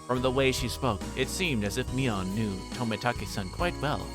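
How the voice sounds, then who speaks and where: A man livestreams a visual novel, reading its narration aloud with casual asides and frequently stumbling and going back over lines. His voice sits at medium pitch and moves at a moderate pace, with music playing behind him.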